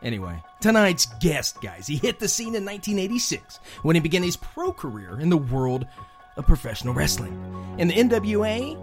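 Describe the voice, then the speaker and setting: A man hosts talk radio with a showman's flair, his pitch swinging freely and key words stretched out. He moves between sponsor reads and easy banter, with music clearly playing behind him. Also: wildly swooping pitch. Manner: showman-like announcing with drawn-out words. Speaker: radio show host.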